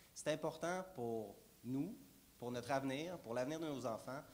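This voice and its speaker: At a moderate pace, a man talks in a normal speaking voice, fairly high in pitch, with ordinary pitch variation. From Quebec, Montérégie (Mont-Saint-Hilaire). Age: 20s. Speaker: political candidate, lawyer. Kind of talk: election debate opening statement. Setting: public debate with audience.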